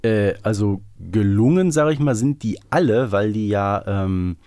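A man's voice: on the low side, expressive, unhurried, dark tone, dry recording, clean studio sound. A man co-hosting a casual podcast, often tacking questioning tags onto his remarks. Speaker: podcast co-host.

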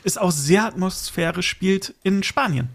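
A man's voice: high-pitched, measured pace. A man chatting casually and enthusiastically about audio dramas, as a podcast guest.

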